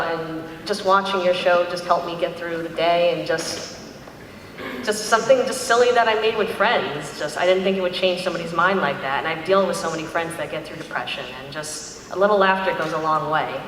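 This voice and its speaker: A woman panelist reflecting casually and sincerely, with a halting, earnest delivery. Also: on the low side, fairly bright tone. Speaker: panelist, parody creator. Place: large convention panel room, amplified. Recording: echoey hall, far from mic, noisy.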